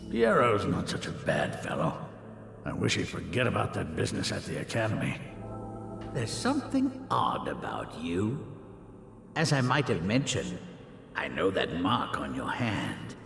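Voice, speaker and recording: An actor playing a vain, charming court painter who drawls with wry self-regard. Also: male voice, sits low, creaky, a bit bright, heavily acted. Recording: roomy reverberant game space.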